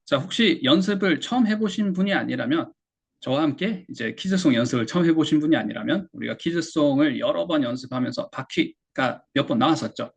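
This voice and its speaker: Korean guy teaching english, gravelly husky voice, patient, repeats words slow. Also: a little high, animated. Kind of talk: explaining lesson.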